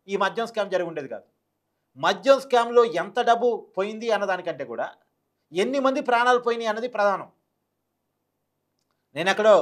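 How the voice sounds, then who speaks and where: Male commentator, slightly high voice, very quick emphatic delivery, opinionated online political talk. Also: a bit bright. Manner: emphatic, repeats phrases and poses rhetorical questions.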